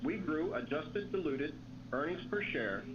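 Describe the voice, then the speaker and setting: A man's voice: fairly high pitch, lively intonation, unhurried. A man reading scripted remarks as a company executive on an earnings call. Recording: dull lo-fi call audio, clear noise.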